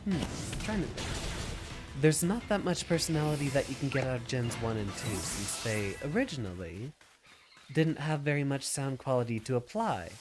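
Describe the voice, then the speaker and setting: A man's voice: mid-range voice, very animated, normal speed, over music. Easygoing guy chatting with his stream while he plays, bit stuffed up and nasally, voice bounces around a lot. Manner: easygoing, musing aloud, reads out chat questions. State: stuffy nose, slightly nasal. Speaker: streamer playing a video game. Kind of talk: casual game stream chat, answering viewers.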